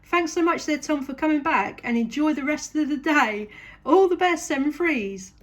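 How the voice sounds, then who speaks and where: Casting: woman, southern English accent, high voice, polite and thankful CB operator making casual radio contacts. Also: animated, moderate pace. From England.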